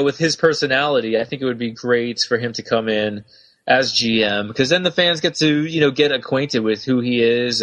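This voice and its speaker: A man with a mid-range voice in relaxed conversation. He pauses often and hedges with fillers as he thinks aloud. His replies wander a little before he lands on a point. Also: mid-range voice. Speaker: podcast co-host. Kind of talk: casual wrestling talk.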